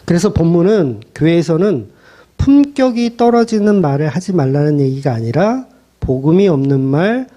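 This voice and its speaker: A man's voice: a little high, warm tone. A male pastor preaching a sermon in a blunt, colloquial way, pressing the congregation with rhetorical questions.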